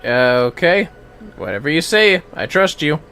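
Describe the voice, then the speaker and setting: A man's voice: a little high, big pitch swings, measured pace, gravelly, bright, forceful tone, clean tone. A man giving casual, offhand game livestream commentary, muttering asides to himself as he plays. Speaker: game streamer.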